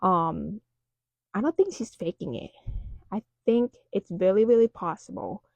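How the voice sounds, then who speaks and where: A woman's voice: medium pitch, expressive, a little slow, creaky, dark tone, no echo, lo-fi sound. A woman from Thailand speaking English with a Thai accent, talking casually to camera with many fillers and loose phrasing. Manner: talks loosely, with many "um"s and "you know"s.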